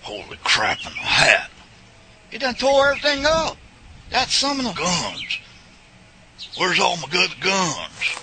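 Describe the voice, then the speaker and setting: A man's voice: high-pitched, wildly swooping pitch, measured pace, long pauses, heavily acted. A man playing a hot-tempered, gun-loving hillbilly in an audio drama, grumbling folksily with a rural Southern US accent. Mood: disgruntled, exasperated. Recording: loud noise, outdoor bird sounds.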